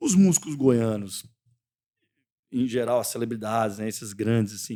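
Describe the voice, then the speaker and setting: A man's medium-pitched voice, dark and mellow, with a Goiás accent at a moderate pace, in a very clean recording with a silent background. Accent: Goiás accent, mistaken for Minas. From Goiânia, Brazil. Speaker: podcast host. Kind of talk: casual chat.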